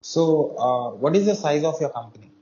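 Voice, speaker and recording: A man's voice: a little high, expressive, moderate pace, warm tone, muffled recording. A man hosting an interview, asking short, hesitant questions. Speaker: interview host.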